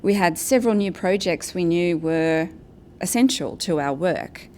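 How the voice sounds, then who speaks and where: An Australian woman giving a prepared conference presentation as a guest speaker, in a measured, structured way. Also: lowish voice, lively intonation, a little mellow, slight background noise. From Australia, New South Wales and Brisbane. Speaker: guest speaker, advocacy and communications director. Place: event venue with an in-person audience.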